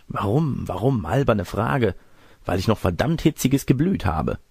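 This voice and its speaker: Man voicing a lecherous gravelly wolf in granny disguise. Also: lowish voice, big pitch swings, unhurried, a little mellow, dry recording, clean studio sound, pitched above the performer's own voice, full character voice. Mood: testy. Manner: wheedling, boastful, crude. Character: lecherous wolf-sorcerer disguised as a grandmother, smug and testy. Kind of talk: storybook character reading.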